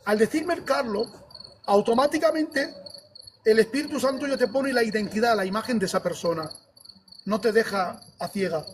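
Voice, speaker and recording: A man from giving a lively preaching testimony, acting out his own pleas as he tells the story. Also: high voice, normal speed, a little hiss or hum. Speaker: church brother giving testimony.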